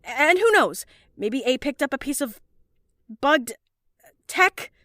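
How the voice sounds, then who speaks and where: A young woman playing an anxious, well-meaning student in an audio drama, earnest and given to halting, stammering speech. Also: high-pitched, expressive, sharp tone, no echo, clean studio sound, full character voice. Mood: anxious, rambling. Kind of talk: audio drama acting, emotional monologue and dialogue.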